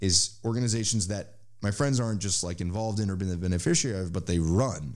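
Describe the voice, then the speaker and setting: A man with a West Coast accent speaks at a fairly quick pace, his fairly low pitch moving with ordinary variation. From US, San Francisco Bay Area. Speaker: venture capital investor. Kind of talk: casual interview.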